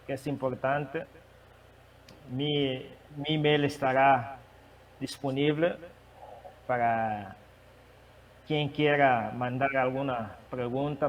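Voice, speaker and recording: A man who is not a native Spanish speaker, preaching and sharing a testimony, with a halting manner and many restarts. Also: mid-range voice, recorded from a distance, lo-fi sound, slight background noise. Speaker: guest preacher. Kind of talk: sermon testimony.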